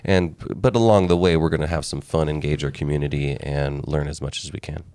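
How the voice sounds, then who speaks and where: A man's voice: rumbling low, steady tone, a little fast, darkish tone, no echo. A man co-hosting a podcast in casual chat, easygoing and rambling, with frequent fillers. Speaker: podcast co-host.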